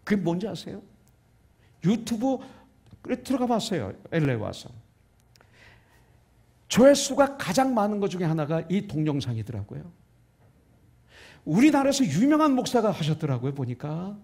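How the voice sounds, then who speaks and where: A man's voice: high voice, big pitch swings, normal speed, long pauses, warm tone, husky. A male pastor from Korea preaching a sermon emphatically, sometimes dropping to a whisper for stress. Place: church sanctuary.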